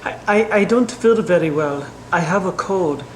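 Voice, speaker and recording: A man's voice: sits high, expressive, normal speed, slight background noise. A man playing a worker with a cold who calls his boss, speaking hesitantly and sounding congested. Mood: unwell. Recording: echoey room.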